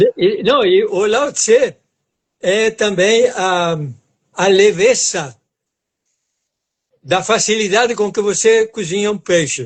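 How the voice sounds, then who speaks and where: A man with an Argentine accent speaks high in pitch, with ordinary pitch variation. His pace is very slow, with long, frequent pauses. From Argentina, Buenos Aires province. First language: Spanish (speaking Portuguese). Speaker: acupuncture and Chinese medicine teacher. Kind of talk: casual chat.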